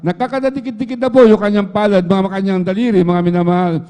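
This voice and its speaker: Middle-aged man testifying in church, keeps addressing the listeners, quick and monotone delivery. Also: sits high, smooth. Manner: fills nearly every phrase with a repeated address to the listeners. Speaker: church member giving testimony. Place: church hall. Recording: echoey church hall livestream.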